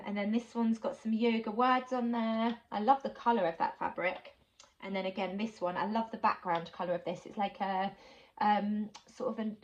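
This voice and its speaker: A woman's voice: mid-range voice, dull audio. A woman, chatting casually and enthusiastically as she unboxes sewing supplies for her channel, with a slight cold and lots of ums. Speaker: sewing vlogger.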